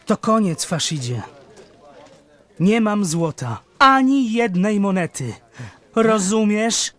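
High-voiced reckless young man. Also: animated, takes it slowly. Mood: despairing. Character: reckless young man, broke, hungry and pleading. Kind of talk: animated Bible story dubbing.

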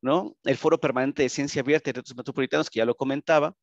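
A man with a Mexican Spanish accent giving a conference presentation over a video call, speaking haltingly with frequent tag questions. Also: mid-range voice, fairly even intonation, dry recording. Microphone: video call, computer microphone. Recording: dull, lo-fi video call audio.

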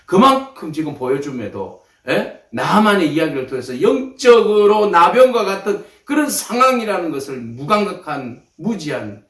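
A male pastor, preaching a sermon in an animated way and acting out the people in the story. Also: sits high, normal speed, few pauses. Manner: animated, voices the king and the women in short quoted bursts. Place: church sanctuary. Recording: echoey room from a distance.

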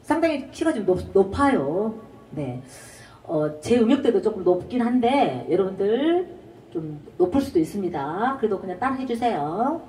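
A woman's voice: mid-range voice, sing-song, normal speed, a little hiss or hum. Woman, singing teacher, trot lesson, sings demo phrases, echoey, distant mic. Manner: demonstrates lines by singing, belts short shouts.

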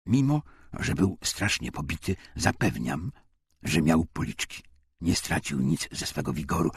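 A male narrator reads a war memoir in a deep, rough voice full of fry. His delivery is scripted and dramatic, with widely moving intonation. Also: dry recording. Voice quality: gravelly, husky. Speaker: audiobook narrator.

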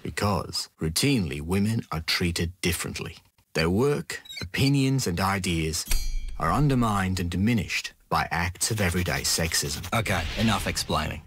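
A man's voice: low voice, lively intonation, normal speed, over music. A middle-aged Australian man reading scripted narration as a voice-over artist. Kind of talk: scripted corporate and campaign narration.

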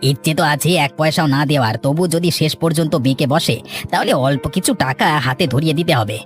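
A man voices a treacherous village con man in a cartoon. He rattles off boasts and wheedling pitches at speed, with music in the background. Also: quick pace, close to an everyday voice. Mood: scheming. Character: cocky, greedy village swindler, smooth-talking and treacherous. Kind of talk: dramatized cartoon villain dialogue.

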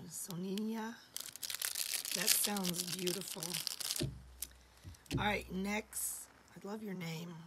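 A woman in her forties hosting a live jewelry sale from a home studio, hoarse from losing her voice and often dropping to a whisper, chatty and affectionate. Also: mid-range voice, background noise. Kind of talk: live-stream sales chat.

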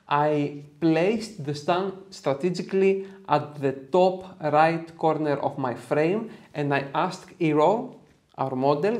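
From a small home studio with red lighting, a man in his thirties with a Greek accent walks through photo editing software, chatty and upbeat, joking about himself along the way. His voice is on the high side with a darkish tone.

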